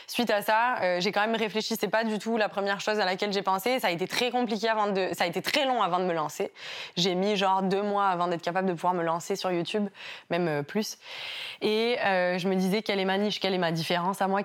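Young woman guest, hybrid French-Québécois accent, lively storyteller. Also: lowish voice. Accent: mix of French and Québécois. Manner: animated storytelling, acts out quotes. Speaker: YouTuber guest. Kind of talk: casual interview talk.

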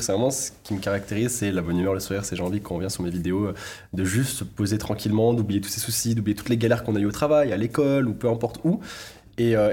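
A man's voice: medium pitch, darkish tone. A young man, a YouTuber talking through an interview with many fillers and restarts. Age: 20s. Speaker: YouTuber guest. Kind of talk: casual interview chat.

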